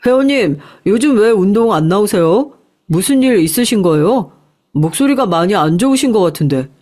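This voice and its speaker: A woman's voice: medium pitch, animated, normal speed, darkish tone, lightly acted. Woman reading as an eager young trainer. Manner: eager, doting, polite. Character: doting young male fitness trainer.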